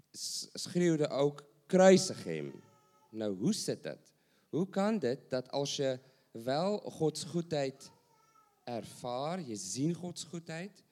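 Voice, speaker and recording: A man preaching a sermon, asking rhetorical questions and repeating phrases for emphasis. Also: medium pitch.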